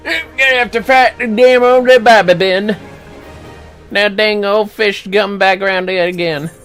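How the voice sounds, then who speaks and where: A man's voice: high voice, steady tone, a little slow, fairly bright tone, clean tone, faint music behind. A man livestreaming a video game with casual, irreverent commentary, swearing and tossing in jokey asides. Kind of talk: casual play-by-play commentary, reading dialogue aloud.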